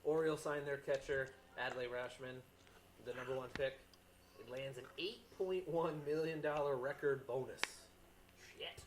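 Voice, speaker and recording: A man's voice: mid-range voice, moderate pace, slight background noise. A man co-hosting a casual sports podcast, laughing often and reading out news items. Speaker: podcast co-host. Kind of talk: casual chat.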